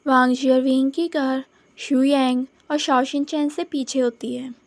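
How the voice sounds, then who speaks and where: A woman's voice: high voice, steady tone, a little slow, no room sound. A woman telling a fan-written story aloud in a casual, chatty narration. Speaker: fanfiction storyteller.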